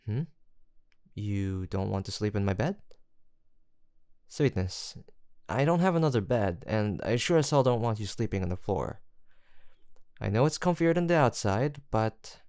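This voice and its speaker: Gentle male caretaker, played by a man for intimate audio roleplay: lowish, unhurried, soothing, protective, with a creaky edge. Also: lively intonation, dry recording, studio quality. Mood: tender, teasing. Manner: soft, reassuring, coaxing, unhurried.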